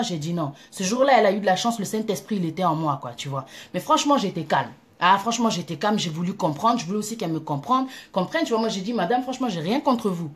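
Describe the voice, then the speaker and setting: A woman telling an animated, emphatic personal testimony in a casual way. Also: medium pitch. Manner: animated, emphatic, breaks into laughter. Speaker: Christian vlogger.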